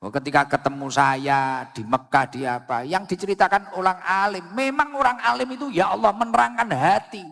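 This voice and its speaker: A man's voice: high-pitched, moderate pace, gravelly, hardly any pauses, fairly bright tone, in a large hall. A man with a Javanese accent preaching a sermon on a public mic, telling jokey stories and mixing in Arabic phrases.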